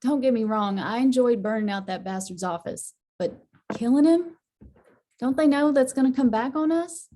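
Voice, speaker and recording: A woman's voice: fairly high pitch, moderate pace, warm tone, lightly acted. A woman playing a tough, plainspoken miner's wife in a script read, wry and colloquial. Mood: worried. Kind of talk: screenplay table read.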